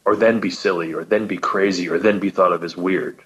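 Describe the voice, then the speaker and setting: A man's voice: low-pitched, fairly even intonation, a little fast, fairly bright tone. A man talking casually as a podcast guest, thoughtful and rambling, often restarting his sentences. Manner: thoughtful, rambling, frequent restarts and repeated words. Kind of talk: casual conversation about old radio comedy. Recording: lo-fi podcast audio.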